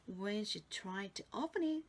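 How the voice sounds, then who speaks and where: A woman's voice: mid-range voice, lively intonation, moderate pace. A woman with a Korean accent, a native Korean speaker, playfully reading a fairy tale aloud and adding asides for learners. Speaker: storytelling teacher.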